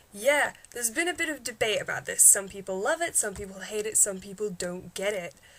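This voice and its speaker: Noticeable noise behind a woman's fairly high voice, its pitch leaping very widely. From England. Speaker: podcaster. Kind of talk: casual monologue. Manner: casual, hesitant with fillers. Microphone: crackling from faulty microphone.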